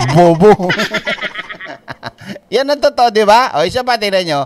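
A man's voice: sits high, lively intonation, slow pace, a crowd in the background. A man hosting a reaction commentary, mocking and laughing often as he talks. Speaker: commentary channel host.

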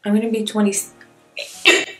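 A woman's voice: mid-range voice, level tone, normal speed, fairly bright tone. A woman in her twenties doing a casual makeup tutorial in a small room, talking candidly with wry, rambling self-mockery. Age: 20s. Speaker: beauty vlogger. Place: small indoor room with plain wall.

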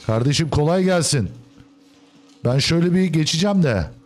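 A man hosts a gaming video with casual, joking commentary and talks back at the characters on screen. His pitch leaps around animatedly as he swings between loud outbursts and low mutters. Faint game music sits in the background. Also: expressive, normal speed. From Turkey.

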